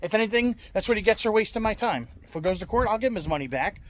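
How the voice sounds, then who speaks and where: A man's voice: high voice, animated, fast talker. Blunt, rambling man with a raised voice. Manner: blunt, venting, swears freely, many restarts. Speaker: scrap-metal vlogger. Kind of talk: casual rambling vlog talk.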